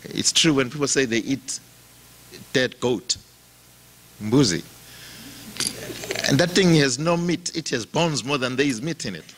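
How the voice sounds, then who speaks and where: Zimbabwean-born guy preaching real slow and emphatic, mid voice, bit of faint noise behind. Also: medium pitch, lively intonation, low-quality recording. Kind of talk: sermon.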